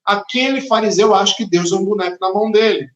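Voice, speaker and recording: A man preaching a sermon as pastor, expressive and dramatic, sometimes acting out the voices of the people he talks about. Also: high-pitched, fast, roomy sound, muffled recording.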